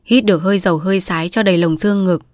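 A woman storyteller reading a literary short story aloud in a steady, even manner. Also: lowish voice, rapid-fire, dry recording, clean studio sound.

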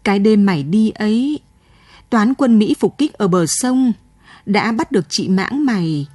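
A grieving old village mother, worn out with sorrow, speaks tearfully and pleadingly in a radio story, voiced by a woman reading it. The voice is mellow and a little husky, close and dry. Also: medium pitch, expressive, a little slow, no echo.

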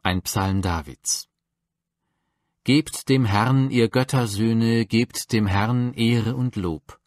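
A man reading psalms aloud for a Bible audiobook, measured and reverent. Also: mid-range voice, darkish tone, no echo, studio quality. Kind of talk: solemn scripture reading.

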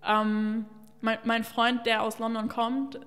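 A woman's voice: fairly high pitch, little pitch movement, slow pace, fairly bright tone. A young woman from Luxembourg, a journalist and podcast guest, talking candidly and with opinions into a stand mic, with many fillers. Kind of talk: casual interview talk. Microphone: studio mic on a stand. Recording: long reverb of a bare room.

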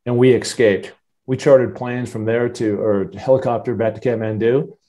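A man in his fifties, a guest on a video-call interview, telling a long story in an animated, rambling way with many restarts. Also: medium pitch, moderate pace. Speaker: interview guest, former football player. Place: home office with wood cabinet. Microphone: earbud headset on video call.

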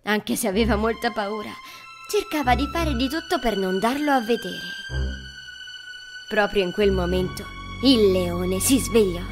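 A woman's voice: medium pitch, lively intonation, a little slow. A woman storyteller reading scripted fairy tale narration for children. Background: background music.

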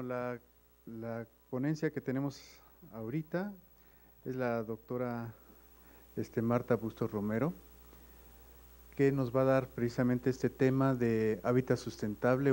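A man's voice: mid-range voice, fairly even intonation, normal speed, warm tone. A man moderating a university seminar, reading a guest's résumé aloud in an auditorium with fillers and small hesitations. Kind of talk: reading a speaker introduction. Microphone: handheld mic, standing at front.

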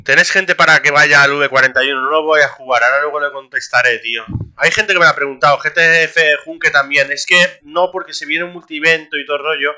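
Excitable streamer man, bright voice. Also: fairly high pitch, a little fast. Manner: excitable, laughs often, addresses chat directly. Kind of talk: casual gameplay commentary.

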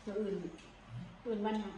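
A woman with an Isan accent from northeastern Thailand chats casually and quickly while eating, her speech mixed with chewing. She sounds set back from the microphone in a very reverberant room, with clear background noise. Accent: Isan, northeastern Thai. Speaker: vlogger in a couple's eating video. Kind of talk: casual mealtime chat. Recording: roomy, distant mic, clear background noise.

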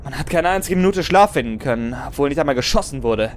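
A man's voice: a little high, expressive, fast, slight background noise, close to an everyday voice. A man playing a jaded but comradely veteran soldier in an audio drama, blunt and resigned. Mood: grumbling.

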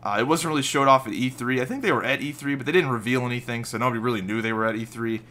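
A young man talking over game footage, voice a bit raspy since he just woke up. His tone is bright and forward, and he rambles in a loose, casual way, full of fillers and restarts. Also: mid-range voice, rapid-fire. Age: young adult. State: slightly raspy from just waking up. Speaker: gaming YouTuber. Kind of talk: casual voice-over commentary over gameplay.

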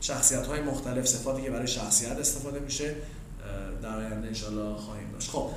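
A man with a Persian accent, a native Persian speaker teaching English in a classroom. He says model sentences slowly and clearly, then adds quick explanations. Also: medium pitch, a little hiss or hum. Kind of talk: classroom language drill. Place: classroom with students. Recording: echoey room with chorus of students.

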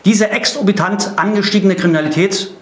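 A middle-aged man gives a prepared political statement as a party spokesman. His voice sits a little high for a man. It is recorded in an echoey room. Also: fairly quick. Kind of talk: semi-scripted political statement to camera.

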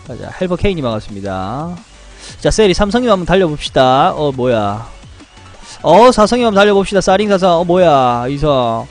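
A young man commentating his game card and pet draws, greeting viewers and chanting loudly when good results come up. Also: fairly high pitch, normal speed, faint music behind. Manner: animated, chants and shouts at good pulls. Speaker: game streamer. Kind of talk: excited gacha pull commentary.

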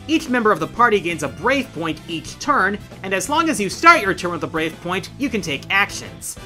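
A man's voice: high-pitched, sing-song, normal speed, pushed and bright, faint music behind. A middle-aged man hosting a countdown in scripted video essay narration, with an emphatic, theatrical delivery. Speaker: video game countdown host.

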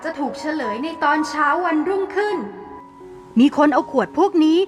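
Woman voicing a high-pitched, polite little boy. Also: animated, normal speed, faint music behind. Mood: curious. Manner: polite, earnest. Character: kind young son of a poor mother. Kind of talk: cartoon story voice acting.

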